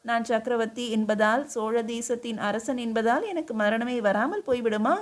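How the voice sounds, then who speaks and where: In an audiobook reading, a woman with a fairly high, fairly everyday voice at a moderate pace performs a stern, exasperated male emperor. The character scolds his wife with incredulous questions.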